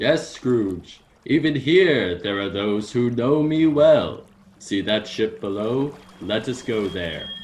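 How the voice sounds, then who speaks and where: A man puts on a character voice. He speaks at a fairly slow pace and a medium pitch. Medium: audio drama. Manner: grave, authoritative.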